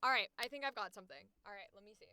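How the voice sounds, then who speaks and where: A woman hosting a livestream in casual chat, speaking in an animated, informal and eager way. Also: medium pitch, racing, no echo, studio quality.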